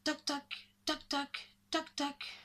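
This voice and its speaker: A woman's voice: high voice, monotone, very slow, bright, forceful tone, pitched above the performer's own voice, exaggerated voice. A woman voicing small forest creatures in a storybook with repeated onomatopoeic syllables. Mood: brisk chirpy. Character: small forest animals: pecking, buzzing, cawing, chattering creatures.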